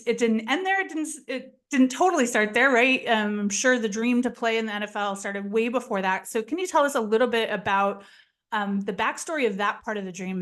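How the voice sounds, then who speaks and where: A woman hosting an interview show, upbeat and chatty, asking questions with enthusiasm. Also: a little high. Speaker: podcast host.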